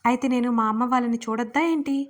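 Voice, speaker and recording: A woman's voice: a little high, fast talker, lightly acted. A woman voicing a pouting, pleading young wife in a romance audio story, coaxing and pouty.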